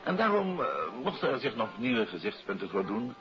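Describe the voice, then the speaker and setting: An actor playing a suave, courteous detective and teasing husband in a 1950s Dutch radio play. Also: male voice, medium pitch, big pitch swings, a little fast, natural voice. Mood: probing, measured. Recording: dull old radio recording, music behind.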